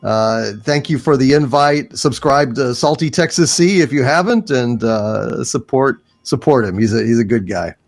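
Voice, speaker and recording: A man's voice: medium pitch, normal speed, hardly any pauses. A man speaking as a guest in a casual chat, with an earnest, encouraging manner. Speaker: panel guest.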